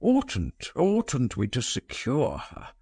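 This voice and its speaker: A male audiobook reader voicing a nervous older general who frets in hushed tones. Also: medium pitch, huge pitch swings, takes it slowly, slightly rough, no room sound, studio quality, heavily acted. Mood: fretful. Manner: hushed, fretful.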